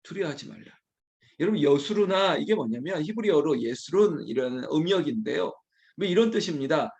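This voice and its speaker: Earnest Korean-style pastor, higher voice. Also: male voice, a little mellow. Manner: earnest, addresses the congregation often, slows to quote scripture. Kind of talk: early-morning prayer sermon.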